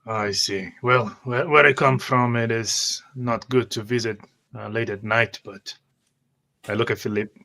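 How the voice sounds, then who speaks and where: A man playing a tabletop roleplaying game, speaking haltingly and deliberately as his character and describing his gestures. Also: medium pitch, fairly even intonation, creaky, pushed and bright. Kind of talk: in-character roleplay mixed with first-person narration.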